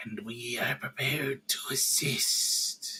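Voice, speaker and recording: A man uses a raspy, put-on character voice. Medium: actual play. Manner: measured, collective "we" speech.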